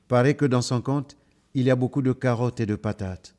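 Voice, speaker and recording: A man telling folktales aloud in a playful, lively way, repeating words for effect. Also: mid-range voice, a little fast. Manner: playful, lively, repetitive storyteller's delivery. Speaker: storyteller. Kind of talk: animated oral storytelling.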